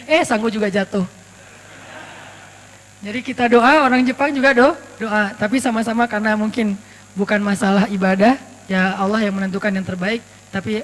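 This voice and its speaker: A man from Aceh giving a casual, lively sermon, telling stories with humor and quoting Arabic verses. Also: very high voice. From Aceh, Indonesia. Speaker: preacher. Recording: long reverb with mains hum.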